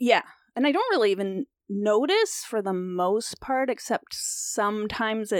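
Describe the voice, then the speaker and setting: In a Canadian accent, a woman speaks fairly slowly in a plain, everyday voice with a fairly high pitch and ordinary pitch variation. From Canadian Prairies (Alberta, Manitoba). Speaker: artist. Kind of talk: casual interview conversation. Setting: at home.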